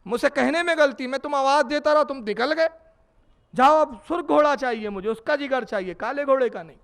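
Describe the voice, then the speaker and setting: A man's voice: extremely high pitch, moderate pace, smooth, pitched above the performer's own voice. A male preacher voicing a scheming, muddled physician in a told story, fretting over his own mistakes. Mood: fretful. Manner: fretful, excuses himself over and over.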